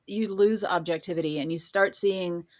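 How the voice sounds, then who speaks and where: A woman's voice: fairly low pitch, steady tone, moderate pace. A woman speaking as a podcast guest, a writer and professor, giving articulate, explanatory answers in a conversational interview.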